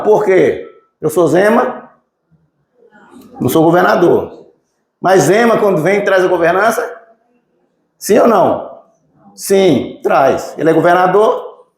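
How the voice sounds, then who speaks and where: A male preacher with a Mineiro Brazilian accent delivers a teaching sermon, stressing key points and checking with his listeners. His voice sits rather high for a man. The sound carries the echo of a church room. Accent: Mineiro Brazilian Portuguese. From Minas Gerais, Brazil. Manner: emphatic teaching, asks the congregation questions. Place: church sanctuary.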